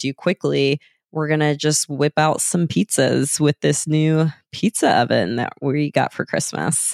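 A woman with a Southern US accent speaks at a moderate pace and a very deep, low pitch, with fairly even intonation and a dry, close sound with no echo. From US South. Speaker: podcast co-host. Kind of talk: casual chat.

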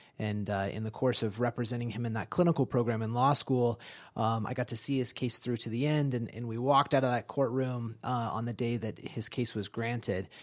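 On a very clean recording with a silent background, a man with an American accent speaks at a fairly quick pace with fairly even intonation in a plain, everyday voice. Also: medium pitch for a man. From Colorado. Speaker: immigration lawyer. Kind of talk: casual interview.

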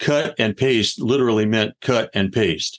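A man's unremarkable speaking voice of medium pitch, ordinary pitch variation and moderate pace. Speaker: podcast host and broadcaster. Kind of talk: interview.

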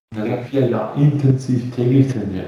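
Amid noticeable background noise and an audible echo from the room, a man talks at a moderate speed. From Bosnia. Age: 30s. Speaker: health coach. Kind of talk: interview. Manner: animated.

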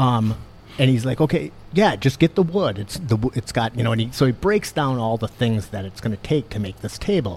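With a somewhat breathy voice, a man speaks using lively intonation. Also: medium pitch for a man, moderate pace. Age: 30s. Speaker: podcast host and martial arts coach. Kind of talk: casual chat.

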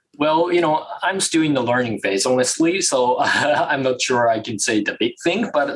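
Japanese accent at a moderate pace, with noticeable background noise. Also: man. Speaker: stem cell scientist. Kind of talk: casual chat.

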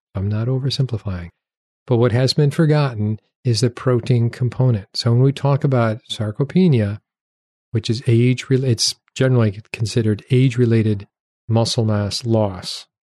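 On a very clean recording with a silent background and a dry, close sound with no echo, a man with medium pitch and a dark, mellow, somewhat breathy tone talks at a moderate pace with ordinary pitch variation. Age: 60s. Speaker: podcast host, naturopathic doctor. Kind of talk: solo podcast monologue. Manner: casual, conversational.

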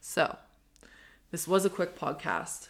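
A woman speaks with vocal fry and a warm tone in a very clean recording with a silent background. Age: 20s. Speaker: podcast host. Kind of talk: solo podcast monologue, casual and reflective, off the cuff. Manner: conversational, candid, warm and earnest; improvised, unscripted, rambling and heartfelt.

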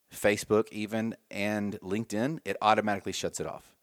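In a very clean recording with a silent background, a man speaks in a fairly low pitch with a dry, close sound and no echo. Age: 40s. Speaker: podcast host. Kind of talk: casual monologue. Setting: at home. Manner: informal, off the cuff.

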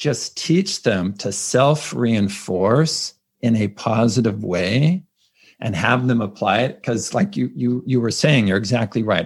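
With a plain, everyday voice, a man with an American accent speaks at a medium pitch and a fairly slow pace, his intonation lively, on a very clean recording with a silent background. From California, US. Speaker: behavior scientist and author. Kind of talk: interview.

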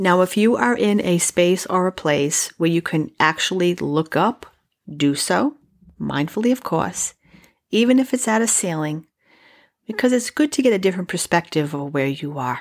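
On a very clean recording with a silent background, a woman with a fairly low pitch and a calm, soothing tone speaks at a moderate pace with very wide pitch swings. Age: 50s. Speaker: mindfulness podcast host and coach. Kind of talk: podcast monologue with guided mindfulness exercise.

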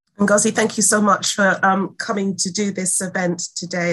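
Her intonation is monotone and flat as the woman talks in a somewhat breathy tone. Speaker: eye surgeon. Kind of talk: audience question. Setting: video call.

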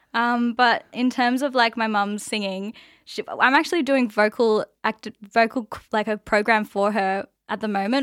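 In a very clean recording with a silent background, a woman with an Australian accent speaks with fairly even intonation. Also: dry, close sound with no echo. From Australia, Victoria (Gembrook area), Chilean heritage. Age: 20s. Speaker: neo soul singer. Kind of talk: casual interview. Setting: studio.

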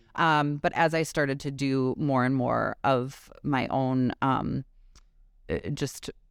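A woman's very deep, low pitch in an American accent, with monotone, flat intonation, in a very clean recording with a silent background. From US Midwest, Minnesota. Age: 40s. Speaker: writer, musician and online community founder. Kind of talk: casual interview conversation.

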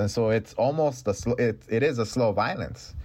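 At a moderate pace, a man speaks in a plain, everyday voice pitched fairly low. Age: 30s. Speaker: environmental activist. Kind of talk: interview.

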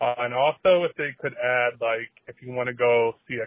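A man speaks at a fairly slow pace in an unremarkable speaking voice. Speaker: caller. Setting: phone call.

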